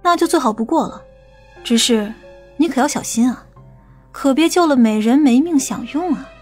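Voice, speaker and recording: A woman's voice: sits high, animated, normal speed, husky, faint music behind. A woman playing a stern, impatient police detective in an audiobook drama. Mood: cautioning.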